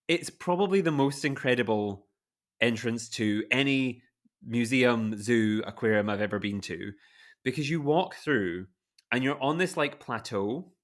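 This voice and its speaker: A man's voice: lowish voice, a bit bright. A man with a Scottish accent hosting a podcast, chatting casually and enthusiastically, with lots of "like" fillers. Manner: rambling and enthusiastic, many fillers like "like". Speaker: podcast host.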